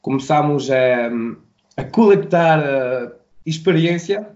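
A man from Belgium speaking Portuguese with a French accent, his first language being French. His voice sits a bit high but sounds mellow and soft-edged. He talks haltingly, restarting words, and the audio is muffled and lo-fi. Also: expressive. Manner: halting, restarts words, acts out quoted dialogue. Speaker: music producer guest. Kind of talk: radio interview.

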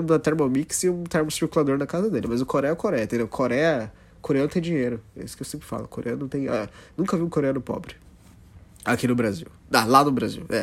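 A man's voice: mid-range voice, slightly rough. Rambling São Paulo man hosting a podcast. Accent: São Paulo Brazilian Portuguese. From São Paulo, Brazil. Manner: rambling, self-interrupting, slangy. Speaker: podcast host. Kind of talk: casual solo podcast chat.

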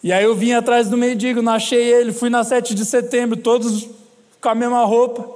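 Brazilian male pastor, very high voice, funny storyteller, preaching in a reverberant church hall. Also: little pitch movement, brisk, a little mellow. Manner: humorous storytelling, chatty asides to the congregation. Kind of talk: sermon.

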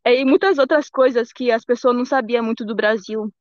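A woman's voice: fairly high pitch, fairly quick, a little mellow, dry recording, highs cut off. A teenage girl with a Bahian Brazilian accent, chatting casually as an interview guest and searching a little for her words. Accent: Bahian Brazilian Portuguese. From Brazil and Germany. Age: young teenager, fourteen.

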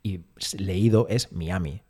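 A man's voice: lowish voice, brisk, warm tone. A man with a Spanish accent from Spain co-hosting a podcast, explaining things and teasing in casual chat. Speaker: podcast co-host. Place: small home studio with some echo.

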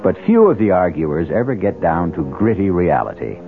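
An actor as the theatrical, ominous host of a 1970s radio mystery, narrating. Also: male voice, deep voice, very animated, normal speed. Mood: portentous. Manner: theatrical, portentous. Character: ominous male host of suspense mystery show. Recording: tinny old radio broadcast, music behind.

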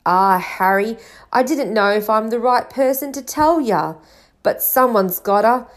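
A woman plays a big, gruff man from a children's storybook. He is kind-hearted and quick to feel things deeply. His speech is folksy and rambling, with dropped consonants. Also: lightly acted. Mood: anxious.

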